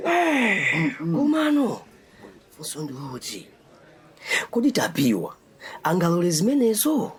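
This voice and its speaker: An actor with a Malawian accent playing an excitable young man seeking advice from his friend in a radio drama, slangy and exclamatory. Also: high voice, unhurried, pauses often, exaggerated voice. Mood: excited, wondering. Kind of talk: radio drama acting in casual slangy dialogue.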